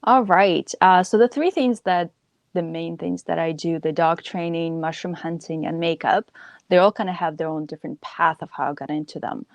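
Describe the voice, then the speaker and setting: A woman from Ukraine, a guest on a podcast, chatting in a relaxed and wry way. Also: lowish voice, normal speed, creaky, dry recording. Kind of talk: casual interview chat.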